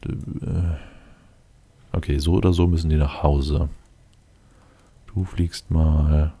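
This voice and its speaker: Very deep, creaky man commentating. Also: fairly even intonation, slow, mellow. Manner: muttering to himself, addressing game units directly. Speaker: let's player commenting on his game. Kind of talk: casual gameplay commentary, thinking aloud.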